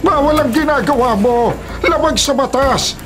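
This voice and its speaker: A man's voice: very high voice, normal speed, music in the background. A man playing an elderly tribal elder in a radio drama, earnest, insistent and scolding. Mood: indignant. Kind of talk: Filipino radio drama acting.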